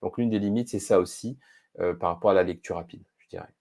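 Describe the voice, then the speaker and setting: Low, mellow-voiced man explaining calmly. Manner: thoughtful, measured, frequent hesitations. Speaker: podcast guest, speed-reading expert. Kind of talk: casual interview explaining.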